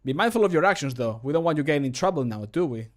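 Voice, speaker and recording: A stern fantasy game guard, acted by a man, with a slightly high male voice. The delivery is measured and formal, as if admonishing someone. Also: lively intonation, natural voice. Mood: cautioning.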